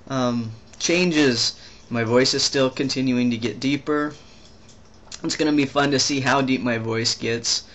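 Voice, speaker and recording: Chatting casually in his video diary, a young trans man vlogger rambles, halts, restarts and leans on fillers. His medium-pitched voice has a fairly bright tone over slight background noise.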